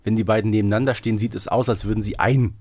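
A man's voice: lowish voice, fairly even intonation, very fast, darkish tone, no room sound. Man in loose, casual podcast chat. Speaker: podcast co-host. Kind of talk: casual conversational podcast discussion.

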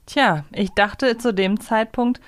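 A woman's voice: a little high, takes it slowly, dry recording. Woman co-hosting a podcast, dry close sound. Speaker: podcast co-host. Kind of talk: casual fan podcast chat.

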